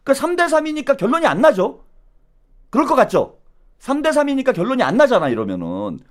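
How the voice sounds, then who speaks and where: Animated, high-pitched taunting male host. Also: fast. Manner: animated, taunting, tags lines with "어?" and "예?". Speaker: political commentary channel host. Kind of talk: live-stream political commentary.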